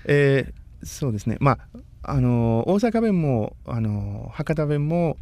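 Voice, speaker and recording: A man in his thirties from Costa Rica, whose first language is Spanish, answers interview questions in a polite, measured way. His voice has a soft, mellow tone, and he often stops to search for the right word. The sound is close and dry, with no room echo. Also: mid-range voice, animated. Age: 30s. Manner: polite, measured, pausing often to find words. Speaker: guest. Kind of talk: casual interview.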